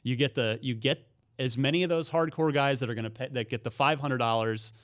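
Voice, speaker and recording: A man's voice: mid-range voice, fairly quick, fairly bright tone. A man hosting a conversational gaming show, talking in a chatty, opinionated way. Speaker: podcast host.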